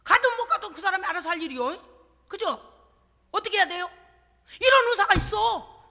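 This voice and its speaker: Woman pastor, high bright voice, animated folksy preaching, echoey church hall. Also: brisk. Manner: animated, exclamatory preaching with frequent laughs; folksy, conversational asides to the congregation. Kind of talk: sermon. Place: church service.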